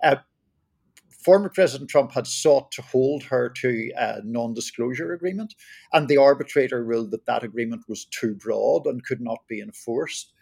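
A man from Belfast with a Northern Irish accent, giving measured, wordy commentary as a panellist, with dry understatement. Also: medium pitch, vocal fry, a little mellow, slightly rough. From Belfast, Northern Ireland. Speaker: journalist, roundtable panellist. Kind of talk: conversational political commentary.

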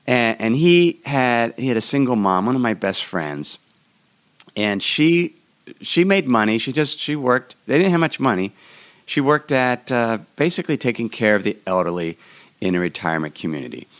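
A hoarse man hosting a solo podcast, explaining in a rambling way with frequent restarts, recorded in a hotel room. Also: mid-range voice, a bit bright. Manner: rambling, repeats and restarts words. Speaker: podcast host.

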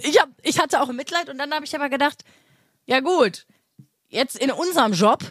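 Podcast co-host, woman from Berlin, high-pitched, animated storyteller, dry studio sound. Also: moderate pace, dry recording. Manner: animated storytelling, quoting people. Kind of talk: casual chat.

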